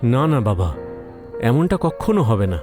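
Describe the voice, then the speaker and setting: A man's voice: medium pitch, big pitch swings, a little slow, over music. A man voicing a poor, trusting villager who speaks earnestly and deferentially in a horror audio story. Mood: eager, deferential.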